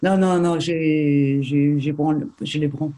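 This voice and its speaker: Man, argentine accent, fairly high voice, mellow tone, relaxed online chat host. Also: slow pace. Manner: relaxed, hesitant, with frequent fillers. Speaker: session host. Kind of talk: casual online group chat.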